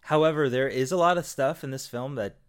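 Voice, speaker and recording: A man's voice: medium pitch, fairly quick, smooth. Rambling, laughing podcast guest, a man. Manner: rambling storyteller, laughs at own jokes. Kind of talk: casual film podcast chat.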